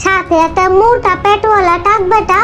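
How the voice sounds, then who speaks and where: A tiny talking cartoon bird chirps in an extremely high, childlike voice. It sounds eager and earnest, with music behind. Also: female voice, steady tone, moderate pace, a bit bright. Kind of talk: cartoon dub.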